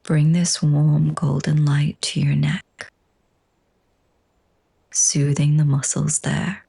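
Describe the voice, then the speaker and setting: A yoga nidra teacher with a deep, level voice leads a slow guided relaxation. Her delivery is soft, breathy and husky, and she keeps it hushed, gentle and soothing.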